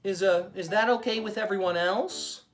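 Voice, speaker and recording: A man's voice: sits high, normal speed, faint music behind, lightly acted. A man voicing a friendly, hesitant puppet host with an encouraging gee-whiz manner in a comedy show. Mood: cheerful encouragement.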